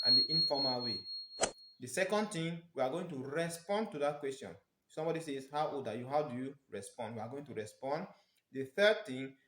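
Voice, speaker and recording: Male language tutor, Nigerian accent, medium pitch, didactic and emphatic delivery with careful repetition, reverberant room sound. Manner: didactic, emphatic, repeats phrases slowly for pronunciation. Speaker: French teacher. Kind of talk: instructional language lesson, step by step.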